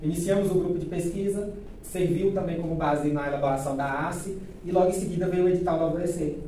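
A man talks at a moderate pace with fairly even intonation. Audible room echo and light background noise are present. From Tocantins, Brazil. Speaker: law student. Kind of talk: student project presentation. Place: classroom. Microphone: camera far.

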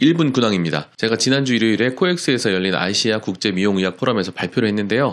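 Over a quiet background, a man with a fairly low voice speaks at a very fast pace with lively intonation. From South Korea. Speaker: cosmetic doctor. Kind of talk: educational video monologue. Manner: animated, explanatory, mimics expressions. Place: office. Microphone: studio mic.

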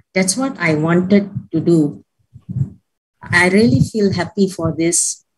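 Somewhat breathy and fairly low in pitch, a woman speaks very slowly with long, frequent pauses against a quiet background. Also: ordinary pitch variation. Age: 40s. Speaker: schoolteacher, program participant. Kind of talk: testimony. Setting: video call. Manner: halting. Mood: happy, proud. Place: home room. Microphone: video call.

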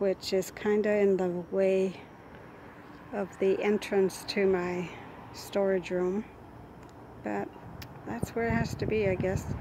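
A woman's very slow, monotone delivery with flat intonation and long, frequent pauses, dry with no echo, over noticeable background noise. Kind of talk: casual vlog chat. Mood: mildly frustrated, relaxed. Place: garden. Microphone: phone near.

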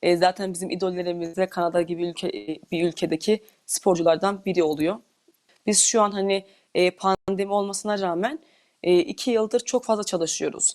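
A woman keeps fairly even intonation at a moderate pace, with a quiet background behind her. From Turkey. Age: 20s. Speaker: curling athlete. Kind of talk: interview; interview answer. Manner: halting, many filler sounds. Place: home room. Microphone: earbuds.

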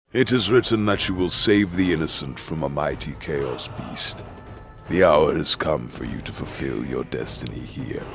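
A man's put-on character voice, very deep and low, at a moderate pace with clear music in the background. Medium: fan dub. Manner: solemn, prophetic.

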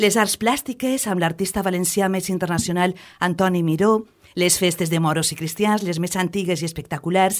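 A woman speaks at a moderate pace in a medium pitch, with ordinary pitch variation against a quiet background. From Valencian Country, Alcoi; Valencian Country. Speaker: radio journalist; radio journalist interviewee. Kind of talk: interview; scripted narration. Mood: warm, smiling. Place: studio.

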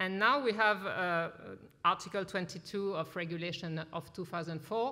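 Speaking with a French accent, a woman has a fairly low voice with a bright, sharp tone. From France. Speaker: former competition regulator, senior judge. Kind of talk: panel talk. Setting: conference stage with audience. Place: hall. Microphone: podium.

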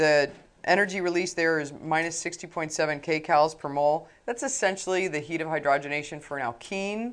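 Moderate pace, ordinary pitch variation. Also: woman, very deep, low pitch for a woman. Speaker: chemistry instructor. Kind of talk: lecture. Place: studio.

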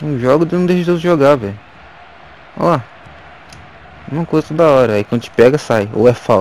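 A man talks with lively intonation in a Brazilian accent. He leaves long, frequent pauses. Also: fairly high pitch for a man, moderate pace. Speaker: gaming youtuber. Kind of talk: gameplay commentary. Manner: casual, animated.

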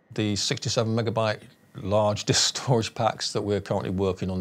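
Speaking with a British accent at a moderate pace, a man keeps his intonation fairly even in a very clean recording with a silent background. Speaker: computer bench engineer, museum volunteer. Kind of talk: interview.

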